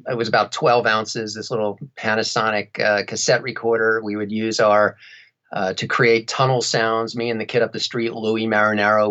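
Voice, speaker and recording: Male interview guest, lowish pitch, wry casual storyteller, slightly muffled lo-fi audio. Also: a bit bright. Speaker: interview guest, audiobook narrator and radio play performer.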